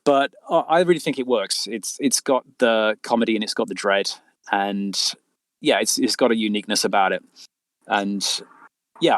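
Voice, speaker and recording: Being interviewed, a middle-aged male author talks in a fairly low voice, telling things casually and ramblingly while stammering repeats and saying "you know" often. The audio quality is poor.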